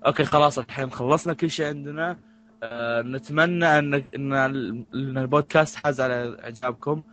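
Fast-talking man. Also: medium pitch, fairly even intonation, a bit bright, a little hiss or hum. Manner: rambling, with frequent restarts. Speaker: podcast co-host. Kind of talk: casual podcast chat.

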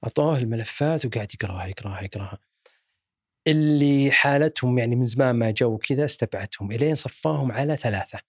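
A man's voice: mid-range voice, very fast, hardly any pauses, dry recording, studio quality. A man with a Saudi accent, narrating a crime story in a chatty, rambling way. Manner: chatty and rambling, with frequent restarts and fillers. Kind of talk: casual storytelling.

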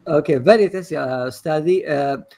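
Man, rapid casual chat, gravelly husky voice, rambling with fillers. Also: fairly high pitch, mellow. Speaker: podcast co-host.

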